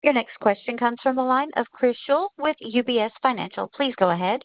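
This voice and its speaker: A female conference operator makes scripted announcements. Her voice is fairly high, and the sound is dry and slightly muffled. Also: expressive, brisk. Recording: muffled conference call audio.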